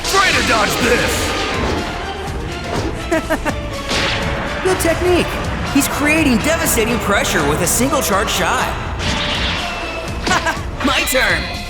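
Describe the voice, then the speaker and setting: A man voicing an excitable, combative anime arena fighter, shouting short battle exclamations. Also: extremely high pitch, takes it slowly, pauses often, over loud music, voice pushed up, full character voice. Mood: fierce, excited.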